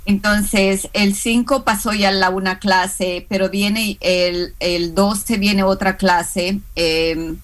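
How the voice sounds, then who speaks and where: Woman with a Hispanic accent, credit class instructor; halting delivery full of fillers, mid pitch. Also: fairly even intonation. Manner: hesitant, many fillers and restarts. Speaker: small business credit instructor. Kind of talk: radio and live stream interview guest.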